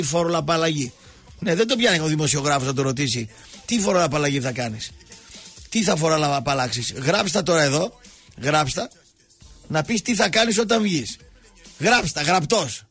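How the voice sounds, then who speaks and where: A man hosting a sports talk show, ranting sarcastically and mocking people, going from loud outbursts to low muttering. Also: husky. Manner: sarcastic, mocking, switches between shouting and muttering. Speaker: radio sports talk host. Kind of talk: ranting monologue.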